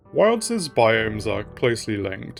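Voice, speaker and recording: A man's fairly low voice with ordinary pitch variation and music in the background. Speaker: gaming video essayist. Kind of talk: scripted video essay narration.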